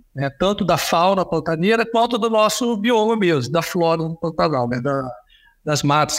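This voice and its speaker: Very clean recording, silent background, and a man's voice with ordinary pitch variation. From Brazil, Corumbá, Mato Grosso do Sul. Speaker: livestock farmer and association president. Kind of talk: podcast interview.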